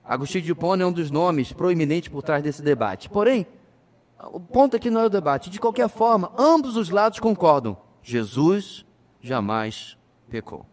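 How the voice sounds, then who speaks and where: A man preaching a sermon as pastor, addressing the congregation as brothers, emphatic with slow pauses. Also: fairly high pitch, animated, darkish tone. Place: church. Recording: reverberant church hall.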